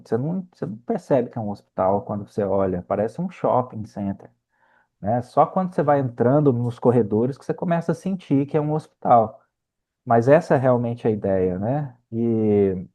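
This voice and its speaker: Mellow-voiced Brazilian man explaining conversationally. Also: medium pitch. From Minas Gerais, Brazil. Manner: explanatory, anecdotal, frequent check-in tags. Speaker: medical researcher, interview guest. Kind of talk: conversational interview storytelling.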